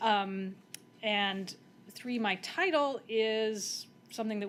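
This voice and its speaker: A woman with a plain, everyday voice talks at medium pitch with ordinary pitch variation. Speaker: anthropologist. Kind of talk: conference panel talk.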